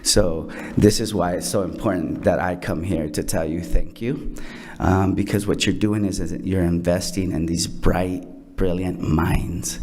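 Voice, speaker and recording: A man's voice: sits low, a little mellow. A middle-aged man, originally from El Salvador, giving earnest prepared thanks to a school board and repeating phrases for emphasis. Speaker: program founder presenting to a school board. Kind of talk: prepared remarks at a public meeting.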